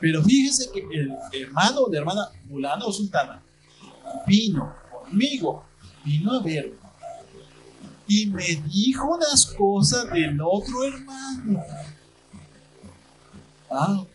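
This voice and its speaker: Man, pastor, sermon, high voice, lively acted-out asides. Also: slow, pauses often, rough recording. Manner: animated preaching, acting out gossiping church members.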